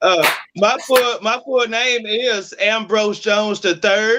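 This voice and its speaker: A raised, projected voice with an American accent over noticeable background noise. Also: man. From Chicago West Side, US Midwest. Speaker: comedian. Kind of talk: stand-up.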